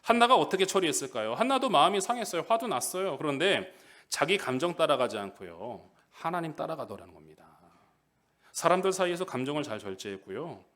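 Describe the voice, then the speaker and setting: A middle-aged man preaching in a church, his voice sitting a bit high for a man and rising and falling widely. He keeps it animated and talks straight to the congregation, asking them questions and waiting for answers. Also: fairly quick. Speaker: pastor. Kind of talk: sermon.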